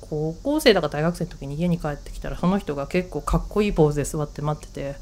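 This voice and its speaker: Lively low-voiced woman telling family stories. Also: fast. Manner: chatty, animated, acts out quoted relatives. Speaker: radio show host. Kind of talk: casual solo storytelling.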